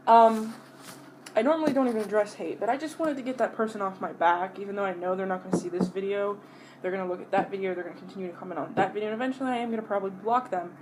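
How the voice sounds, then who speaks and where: A woman talks casually to her audience during a meal, in an average-pitched voice. She rambles and pauses to chew between bites. Her wording is blunt and peppered with swearing, and faint noise sits behind the recording. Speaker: mukbang vlogger. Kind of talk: casual rambling chat to viewers while eating.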